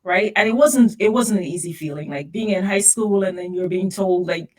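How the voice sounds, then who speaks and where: A woman originally from Guyana speaks as a podcast guest in a medium-pitched voice. She talks thoughtfully and steadily, weaving personal anecdotes with an easy, conversational rhythm. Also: moderate pace. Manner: thoughtful, steady, personal anecdotes with frequent "you know" and "right?". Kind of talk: reflective conversational storytelling.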